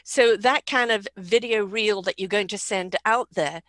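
Female host, bright dry voice, chatty and encouraging. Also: medium pitch, a little slow, no room sound. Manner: chatty, laughing, advice-giving. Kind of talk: casual chat.

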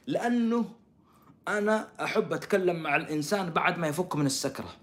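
A man giving sarcastic live-stream commentary, swinging from loud outbursts to soft mutters. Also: high voice, lively intonation, quick pace. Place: living in Canada.

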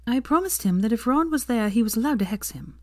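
A playful young witch speaks lightly, with quiet amusement, as a woman reads her. Her voice moves freely up and down. The sound is dry and close. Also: fairly high pitch, animated, fast, no room sound, pitched above the performer's own voice, lightly acted. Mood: teasing.

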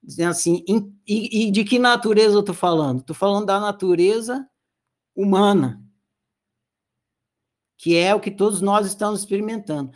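Animated man telling stories. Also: high voice. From Brazil. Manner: animated, slangy and blunt. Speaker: podcast host and music commentator. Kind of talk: storytelling and casual commentary.

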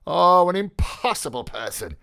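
A man voicing a brash, mocking young male medical student, quick and flippant. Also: a little high, very animated, no room sound, pitched above the performer's own voice. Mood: exasperated.

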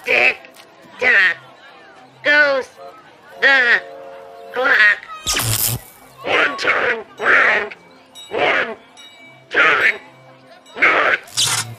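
A performer voicing an eerie carnival creature that chants in deliberate sing-song. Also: sits high, vocal fry, bright, forceful tone, faint music behind, heavily acted.

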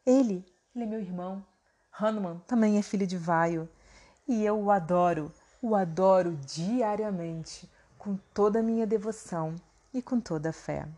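A woman's voice: medium pitch, normal speed, warm tone, pitched below the performer's own voice, close to an everyday voice. A woman voicing Bima, a proud and mighty male warrior who speaks with emphatic indignation. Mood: fervent.

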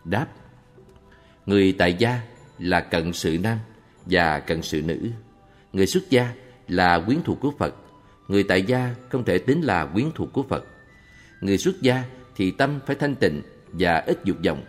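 A man reading a monk's answers aloud in a calm, measured Buddhist question-and-answer recording. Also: low-pitched. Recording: long reverb with faint background music.

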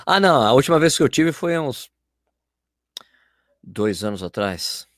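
A man's voice: medium pitch, expressive, a little slow, no echo, clean studio sound. A man chatting casually and animatedly, talking in loose run-on phrases full of fillers. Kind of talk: casual chat.

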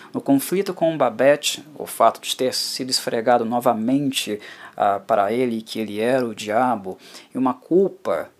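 A man hosting a book club podcast, giving a reflective and heartfelt solo analysis of a novel. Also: medium pitch. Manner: reflective, heartfelt, often tags phrases with a questioning filler. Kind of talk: solo literary analysis monologue.

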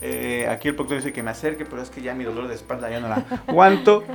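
A man's voice: medium pitch, quick pace, vocal fry. A man with a Mexican accent co-hosting a casual radio show, laid-back and joking. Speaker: radio co-host.

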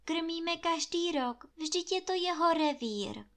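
A woman's voice: very high-pitched, animated, fairly bright tone, pitched above the performer's own voice. A woman voicing an outspoken young village girl in a storybook reading. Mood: indignant. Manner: indignant, outspoken.

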